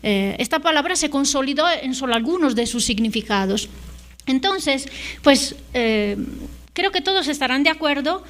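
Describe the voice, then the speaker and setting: Italian woman giving a halting talk. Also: high-pitched, lively intonation, fairly bright tone. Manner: hesitant, many fillers and tag questions. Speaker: invited lecturer. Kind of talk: conference talk.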